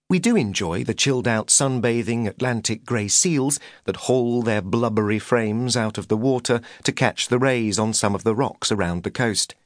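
A man's voice: mid-range voice, no echo. A man reading a humorous memoir as an audiobook narrator, with a dry, wry delivery.

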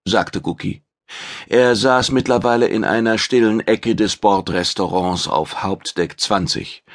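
A man narrating a science fiction audiobook in a measured, even storytelling manner. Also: sits low.

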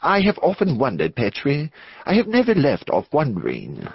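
A man voicing a nervous, excitable clergyman in an audiobook, hesitant and emphatic, in a slightly dull recording. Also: medium pitch, normal speed, creaky, husky, no room sound, pitched above the performer's own voice, heavily acted. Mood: nervous musing. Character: nervous, excitable clergyman with truculent fierce energy. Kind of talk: audiobook character acting.

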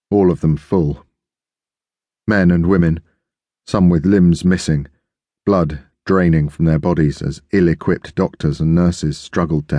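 Deep, dry male narrator, steady first-person audiobook reading. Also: no echo. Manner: measured, steady storytelling.

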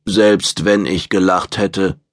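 A man playing a tall, gaunt man who holds back his anger and speaks in a flat, clipped growl. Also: sits low, moderate pace, gravelly, slightly rough, no echo, studio quality, exaggerated voice. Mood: flat, cold.

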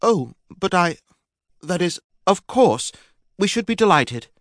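A man's voice: high voice, big pitch swings, slow pace, a bit bright, no echo, clean studio sound, voice pushed up, full character voice. A man doing a fluttery Regency lady. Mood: flustered. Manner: fluttery, polite, faltering. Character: flustered young genteel Regency wife.

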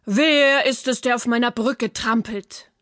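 A woman voicing a big, hideous male troll under a bridge, calling out slowly and loudly with threats. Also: fairly high pitch, no echo, studio quality. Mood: menacing. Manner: slow, loud, threatening calls.

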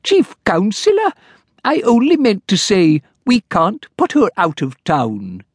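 A man's voice: sits high, huge pitch swings, slow, husky, no echo, studio quality, voice pushed up, full character voice. A man voicing a timid, pedantic little male town clerk who speaks apologetically and fussily. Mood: apologetic.

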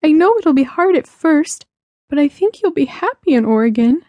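A worried middle-aged mother, put on by a woman narrator in an audiobook. She speaks in a raised pitch, gentle, soothing and earnest but firm. The recording is dry. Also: moderate pace, dry recording, lo-fi sound. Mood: pleading, soothing. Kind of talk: audiobook character dialogue.

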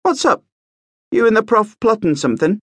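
A man puts on an eager teenage prince with a lifted, springy voice that jumps all over. He chatters breathlessly, full of excitement. A dry, close storybook reading. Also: sits high, moderate pace, husky, no room sound, pitched above the performer's own voice, heavily acted.

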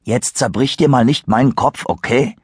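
A cocky, unhurried young man who teases the others, played by a male audiobook reader. His voice has a light huskiness. The recording is dry. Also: mid-range voice, husky, dry recording, pitched above the performer's own voice, close to an everyday voice. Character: laid-back young man, older brother, cocky.

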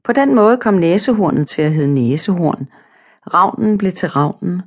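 A woman narrating a children's storybook audiobook in a calm, simple, measured way. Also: on the low side, husky.

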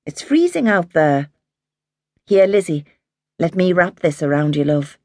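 A woman reading the part of a tired, caring young working-class mother who speaks gently but firmly to her children. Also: lowish voice, sing-song, unhurried, no echo, studio quality, heavily acted. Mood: firm, motherly.

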